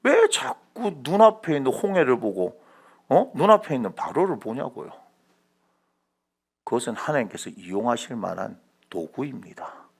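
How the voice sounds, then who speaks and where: A man preaching a sermon as senior pastor, colloquial and dramatic, moving from hushed asides to shouted lines. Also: medium pitch, vocal fry. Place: church sanctuary.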